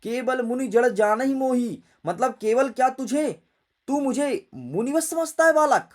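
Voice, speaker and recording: A man teaching a class voices a furious, boastful old warrior sage in booming, scolding first-person outbursts. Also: moderate pace. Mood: angry.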